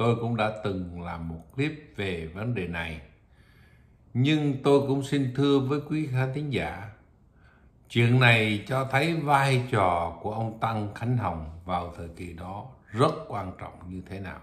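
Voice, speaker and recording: A man speaks very slowly with lively intonation and big swings in loudness. His voice is somewhat breathy, and the room echo is audible. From Vietnam. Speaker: political commentator. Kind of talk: solo political commentary monologue. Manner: formal. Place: home room. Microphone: phone near.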